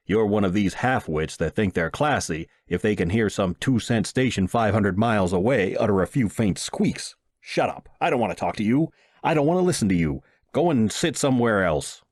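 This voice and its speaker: A man's voice: lowish voice, expressive, normal speed, a little mellow, dry recording, studio quality. A man voicing a contemptuous, argumentative radio hobbyist in a storybook reading. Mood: scornful, irritated. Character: scornful, quarrelsome male radio fan, insulting his friend. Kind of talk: storybook character voice.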